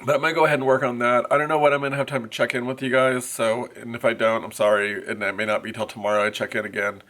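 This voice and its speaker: A man in his forties who teaches first grade races through a casual vlog chat to camera, rambling and heavy on fillers, as he goes from his classroom into a car. His congested mid-range voice is a bit bright with little pitch movement, and faint road noise sits underneath.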